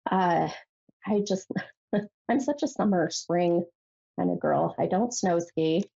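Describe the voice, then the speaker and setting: A woman's voice: fairly low pitch, takes it slowly, creaky, mellow, breathy edge, dull audio. A woman hosting a psychic call-in radio show, sounding nasal from a head cold and rambling chattily with many fillers and restarts. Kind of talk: casual call-in radio monologue.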